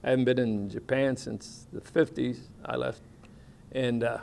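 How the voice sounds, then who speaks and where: A man's voice: mid-range voice, little pitch movement, measured pace, creaky, darkish tone, slight background noise. An older American man, a military veteran, recalling his years overseas in a rambling, plainspoken way with folksy grammar and many fillers. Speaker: veteran interviewee. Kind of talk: oral history interview, casual recollection.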